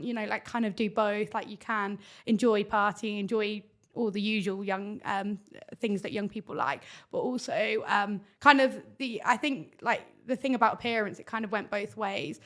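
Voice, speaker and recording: A young woman with a loud voice, chatting enthusiastically as a podcast guest, full of "like" fillers. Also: medium pitch. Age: young adult. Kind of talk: casual interview chat.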